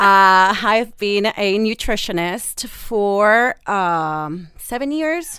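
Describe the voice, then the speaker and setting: A woman speaks very slowly with a slight Italian accent, her pitch medium. Her tone is bright and sharp, and her intonation is lively. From Rome, Italy. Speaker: nutritionist. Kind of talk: interview. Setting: studio.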